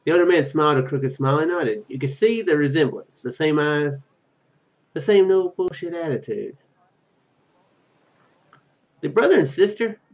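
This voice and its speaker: A man's voice: a little high, lively intonation, normal speed, pauses often. A man in his thirties reading game text aloud and adding rambling, casual commentary as a let's play host. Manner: rambling, musing asides. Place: small room at home. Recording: dull lo-fi audio with music behind. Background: game music.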